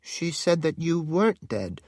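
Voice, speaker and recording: A flustered young woman, voiced by a male narrator stammers through her words in a raised, soft voice. The recording is dry and close. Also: on the high side, very animated, unhurried, no echo, pitched above the performer's own voice. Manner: stammering, nervous.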